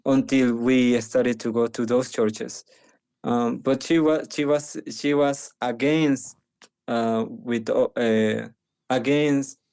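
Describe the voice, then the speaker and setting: Slow, halting Panamanian man. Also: medium pitch, a little mellow, smooth. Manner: halting, many restarts and fillers. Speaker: guest, medical missionary. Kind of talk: conversational interview.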